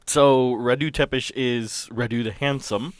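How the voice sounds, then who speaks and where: A man explaining a character's background in a casual, halting way as a podcast guest. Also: mid-range voice, fairly even intonation, smooth, no echo. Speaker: podcast guest introducing his game character.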